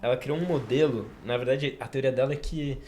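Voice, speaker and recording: A Brazilian man hosts a podcast and talks quickly. He eagerly walks through an idea one stage at a time, and his voice sits at an average pitch for a man. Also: mellow, slight background noise. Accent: Brazilian Portuguese. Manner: eager, explains ideas step by step. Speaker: podcast host. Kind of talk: casual podcast chat.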